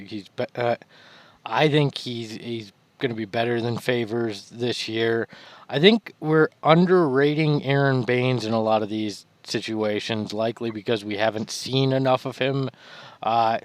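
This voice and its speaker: A man with a booming, bassy voice co-hosting a casual sports podcast, talking loudly and with emphasis. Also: dry recording. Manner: loud, emphatic. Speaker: podcast co-host.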